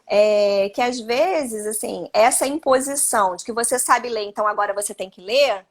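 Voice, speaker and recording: A woman's voice: a little high, normal speed. A Brazilian Portuguese-speaking woman, a psychologist, explaining parenting advice on a live stream, often adding tag questions. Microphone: phone or video call.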